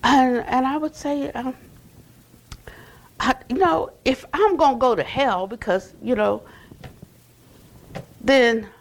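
An older woman gives a dharma talk at a retreat center, her voice sitting high. She tells stories in a loose, animated way, often restarting her sentences and adding "you know". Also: slow pace, pauses often. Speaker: Buddhist teacher. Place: retreat center meditation hall.

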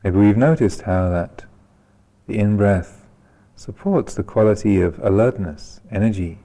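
Here a man of fairly low pitch teaches guided meditation, speaking gently and calmly without hurry and pausing at length between phrases.

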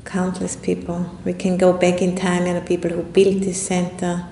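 A woman giving a guided meditation talk as a meditation teacher, speaking in an unhurried, reflective way with long pauses. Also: monotone, creaky, warm tone. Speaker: Buddhist nun and meditation teacher. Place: indoor room at a retreat center. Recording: roomy echo, faint rumbling background noise.

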